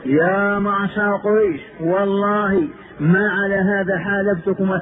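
A preacher retelling an angry tribal chief. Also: male voice, high voice, fairly even intonation, measured pace. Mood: indignant. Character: proud angry Arab tribal chief, grown man. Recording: tinny phone-like old tape.

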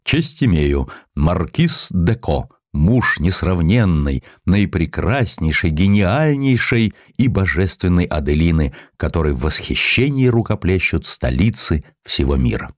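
A foppish, adoring marquis, acted by a male narrator, speaks in a low, pompous voice. He is florid and courtly, drawing out each grand word in a close, dry audio-story recording. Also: big pitch swings, dry recording. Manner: pompous, drawn-out superlatives.

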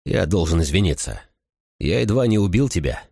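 A man voicing a calm, confident crew leader. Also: sits low, brisk, breathy edge, no echo, clean studio sound, heavily acted. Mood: apologetic.

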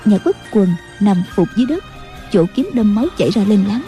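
A woman narrating a martial-arts novel as an audiobook in a steady storytelling voice. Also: medium pitch, brisk. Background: faint music.

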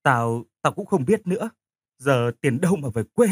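A man's voice: medium pitch, animated, normal speed, breathy edge, no room sound. A man voicing a distressed young woman who stammers and hesitates, in an audio story.

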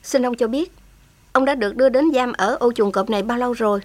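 A woman's voice: a little high, fast talker, dry recording, voice pushed up, natural voice. A woman voicing a foreign woman journalist who asks polite, probing questions in a formal manner.

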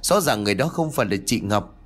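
A man voicing a sensible young woman who reasons calmly. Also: lowish voice, quick pace. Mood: reasoning. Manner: calm, reasoning.

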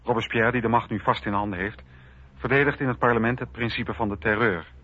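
A man's voice: mid-range voice, steady tone, fairly quick, pushed and bright, dry recording. A man narrating a scripted historical documentary drama for radio. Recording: dry, slightly dull radio recording.

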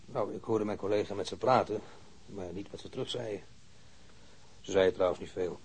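A man playing a grumbling wounded policeman in a radio drama, halting and repeating himself. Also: fairly low pitch, gravelly, a little mellow, husky, full character voice, low-quality recording. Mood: halting, searching. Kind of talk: naturalistic radio drama acting.

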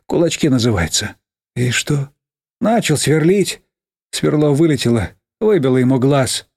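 A man voicing a serious, nervous teenage boy who speaks calmly and glumly. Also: medium pitch, a little slow. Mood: grim. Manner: calm, serious, sullen.

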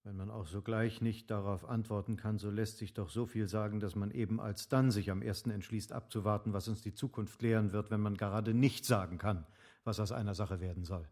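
An actor playing an evasive, lovestruck middle-aged gentleman husband in a literary radio drama, with formal, articulate phrasing. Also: on the low side, fairly even intonation, a little fast, lightly acted. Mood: evasive, reasoning.

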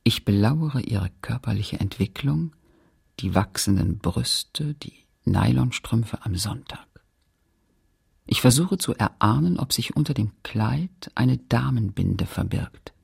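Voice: mid-range voice, expressive, slow pace, creaky, slightly rough, heavily acted. An actor playing a woman who looks back on her Catholic girlhood in sober, literary radio-play narration, observant and introspective. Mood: reflective, sober.

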